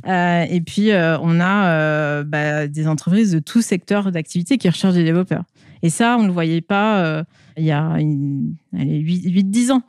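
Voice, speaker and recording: A woman answers interview questions conversationally through a face mask, halting often with filled pauses. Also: fairly low pitch, a little mellow, clear, resonant tone, dry recording, clean studio sound. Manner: hesitant, halting delivery with frequent filled pauses. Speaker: interview guest, school staff working with companies and alumni.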